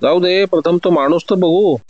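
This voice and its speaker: A man reading a story, voicing a shrewd male detective who speaks in a measured, soothing way to win trust. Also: sits high, no echo, muffled recording, pitched above the performer's own voice, close to an everyday voice. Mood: coolly probing.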